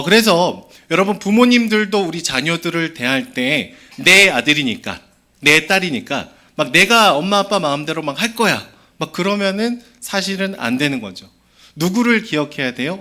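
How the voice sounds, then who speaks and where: A male pastor giving a children's sermon, lively and full of questions to the children. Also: on the high side.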